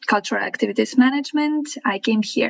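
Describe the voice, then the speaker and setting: Ordinary pitch variation marks a woman's speech in a Lithuanian accent. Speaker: student teacher and music teacher. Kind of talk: podcast interview.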